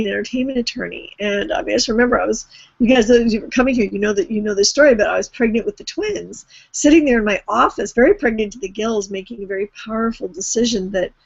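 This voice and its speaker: A woman's voice: mid-range voice, no room sound. A middle-aged woman hosting a video hangout, chatty and rambling, with easy laughter. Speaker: host. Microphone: video call. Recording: dull, dry video call audio.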